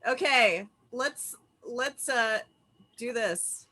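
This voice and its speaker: A woman's voice: fairly high pitch, extremely slow, pushed and bright. A woman chatting casually in a group.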